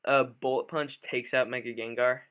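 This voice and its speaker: A man with a slightly raspy, just-woken-up voice, talking through a game live with many fillers and restarts. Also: medium pitch, flat delivery, normal speed, a bit bright. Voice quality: a little raspy. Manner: thinks aloud with frequent fillers and restarts. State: just woke up. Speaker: gaming commentator. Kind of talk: live gameplay commentary.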